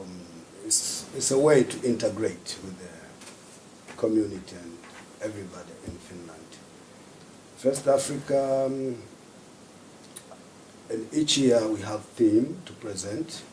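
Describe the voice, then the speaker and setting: A Tanzanian man, a festival director, speaks as a panelist in a symposium hall panel discussion. His voice is fairly low and darkish, and he talks unhurriedly, pausing often as he searches for words. The recording has a roomy hall sound with background noise.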